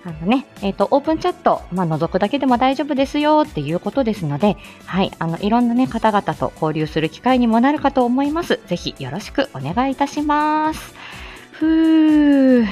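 A woman's voice: a little high, big pitch swings, fairly quick, darkish tone, faint music behind. A woman hosting her weekly morning live stream as a speech therapist, chatting in a flustered way with many fillers and little laughs. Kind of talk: casual solo live stream.

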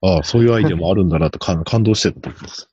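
A man's voice: sits low, rapid-fire, dark tone, husky, no echo. A man hosting a farming podcast, chatting casually with a guest and rambling with lots of fillers. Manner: rambling, hesitant, many fillers. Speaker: podcast host. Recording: dull lo-fi podcast audio.

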